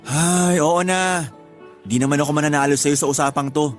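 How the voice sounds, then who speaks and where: A man's voice: fairly high pitch, steady tone, moderate pace, close to an everyday voice. An actor playing an uptight, closeted young gay man who grumbles reluctantly, in a Tagalog radio drama. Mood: grumbling. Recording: music bed behind the voice.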